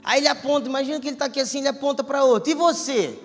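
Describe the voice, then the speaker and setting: A man's voice: very high-pitched, racing. A man preaching a sermon to a live church crowd, acting out the dialogue and teasing the audience. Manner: animated, acts out dialogue, teases the crowd. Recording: echoey hall, light music underneath.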